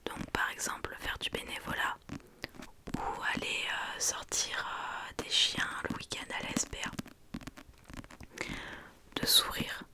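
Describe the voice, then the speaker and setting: A woman talks in a soft, unvoiced library whisper, explaining hesitantly with pauses in an ASMR book talk. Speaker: ASMR creator.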